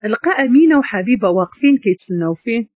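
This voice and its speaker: A woman with a Moroccan accent narrates a story in a lively voice that rises and falls. Her tone is mellow and husky, a little high-pitched. The recording is dry and slightly dull. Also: quick pace, no echo.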